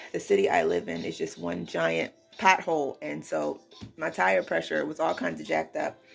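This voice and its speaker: Exhausted woman with heavy vocal fry. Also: sits low. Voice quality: creaky, gravelly. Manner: exhausted, weary. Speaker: vlogger. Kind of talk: casual vlog chat.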